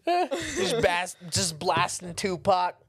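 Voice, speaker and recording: A man's voice: sits high, sing-song, slow pace, fairly bright tone, husky. A man co-hosting a podcast, bantering casually, riffing on jokes and laughing mid-sentence. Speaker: podcast co-host.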